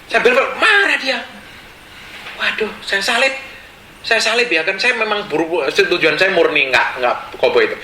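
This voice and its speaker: A pastor, preaching with animated storytelling and acting out the people in his stories. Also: high-pitched, normal speed, a little hiss or hum. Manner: animated, acts out quotes and laughs along. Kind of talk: storytelling sermon. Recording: echoey room with faint ambience.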